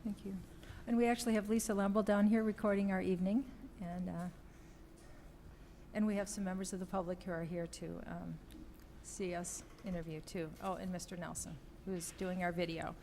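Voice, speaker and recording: A woman chairing a township meeting, explaining the procedure haltingly with many ums. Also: on the low side, little pitch movement, dark tone, a little hiss or hum. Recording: long hall reverb with faint ambience.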